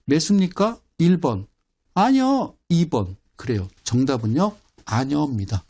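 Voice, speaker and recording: A man giving a broadcast stock market lecture, animated, repeating phrases and quizzing his viewers. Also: on the high side, unhurried. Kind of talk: broadcast lecture with audience questions.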